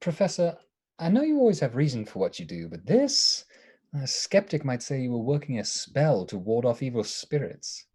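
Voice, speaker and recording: A man's voice: mid-range voice, sing-song, moderate pace, darkish tone, breathy edge. An actor playing an earnest, anxious man in love, hesitant and emotional, in a radio drama. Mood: polite. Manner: hesitant, emotional, stammering when alarmed. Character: earnest, anxious lovesick man, doctor and narrator. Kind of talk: theatrical radio drama acting and narration.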